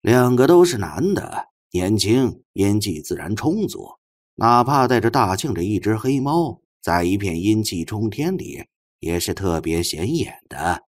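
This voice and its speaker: A man voicing an unhurried, mystical monk investigator in an audiobook, slow and methodical. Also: fairly low pitch, very animated. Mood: calm, certain.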